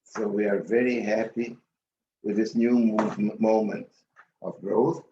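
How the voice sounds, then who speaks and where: Low-voiced man on an echoey call. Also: level tone, slow pace, noisy background. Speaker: panel speaker. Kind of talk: online panel presentation. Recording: dull roomy video-call audio.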